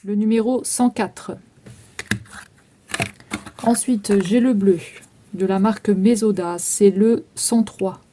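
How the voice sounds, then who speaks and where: A woman in her thirties runs through her makeup for sale in a casual, chatty way. Her voice is mellow and soft-edged, stopping on fillers between prices and item numbers. Faint clicks and a slight hiss sit behind her. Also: medium pitch, steady tone, slow pace, pauses often. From France. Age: 30s. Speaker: vlogger selling makeup. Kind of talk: casual sales walkthrough.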